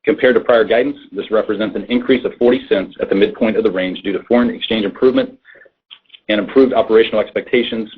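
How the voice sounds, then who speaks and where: A man's voice: fairly low pitch, husky. A man reading a scripted financial presentation in a formal manner over a muffled phone conference line, as a company executive. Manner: formal, reading prepared figures. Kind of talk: scripted earnings call presentation.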